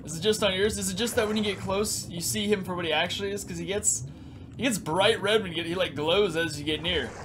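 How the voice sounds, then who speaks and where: A young man in his twenties doing energetic, crude gameplay commentary in a small room, his voice raspy because he just woke up. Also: high voice, quick pace, background noise. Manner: energetic, crude, rambling with lots of "like". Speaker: gaming YouTuber. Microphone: headset.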